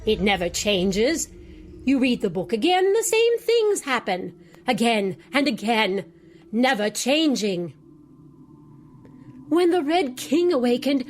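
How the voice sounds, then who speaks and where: Fussy, imperious aged fantasy queen, high-pitched and unhurried, regal and dismissive, for audio drama over music. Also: exaggerated voice. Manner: regal royal we, dismissive, theatrical swoops. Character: imperious, scatterbrained old chess queen, weary and fussy.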